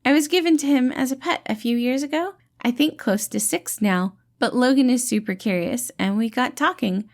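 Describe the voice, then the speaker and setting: Woman acting a tiny male healer, high-pitched, cheerful, fatherly, gently reassuring, audio storybook character. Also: normal speed, hardly any pauses, lightly acted. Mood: upbeat, explaining. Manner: eager, reassuring, gentle, calls people kiddo.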